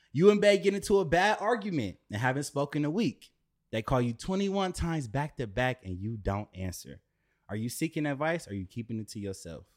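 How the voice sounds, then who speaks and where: A man's fairly high, animated voice at a fairly quick pace, with very wide pitch swings, on a very clean recording with a silent background. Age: 20s. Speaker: podcast host. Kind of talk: casual chat. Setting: studio.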